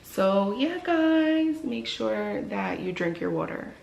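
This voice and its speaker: Chatty dental hygienist woman, gravelly tone. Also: medium pitch, big pitch swings, slow pace, darkish tone, dull audio. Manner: encouraging, chatty, repeats phrases for emphasis. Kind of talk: casual advice vlog. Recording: echoey room with faint noise.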